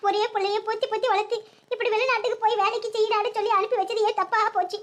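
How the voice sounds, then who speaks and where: A woman's voice: very high-pitched, fairly even intonation, rapid-fire. A woman voicing a grieving older village mother-in-law with a southern Tamil Nadu accent, lamenting and giving advice. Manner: lamenting, advising.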